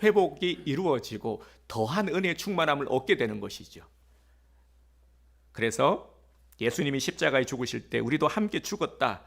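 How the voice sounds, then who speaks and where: A man's voice: mid-range voice, big pitch swings, moderate pace, creaky, fairly bright tone. A male pastor giving a sermon in a conversational way, with fillers, rhetorical questions and acted-out quotes.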